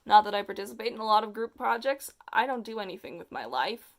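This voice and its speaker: Young adult with a feminine voice, reads their old kid story aloud and roasts it, animated and dramatic. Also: female voice, medium pitch, fast. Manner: animated, self-mocking, exaggerated outbursts. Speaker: vlogger reading their childhood story. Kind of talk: comedic reading and commentary.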